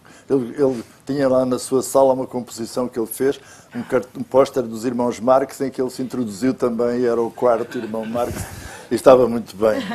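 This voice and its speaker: A man with a medium pitch speaks at a moderate pace in a monotone, flat intonation, with noticeable background noise behind him. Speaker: architect, panel guest. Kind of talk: panel discussion.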